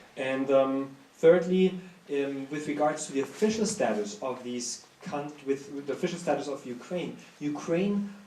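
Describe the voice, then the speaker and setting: This speaker has a German accent and a moderate pace, with ordinary pitch variation. Noticeable background noise sits under the voice. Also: man, fairly high pitch for a man. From Germany. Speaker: political science professor. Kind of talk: panel presentation. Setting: university panel with audience. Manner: hesitant, many fillers.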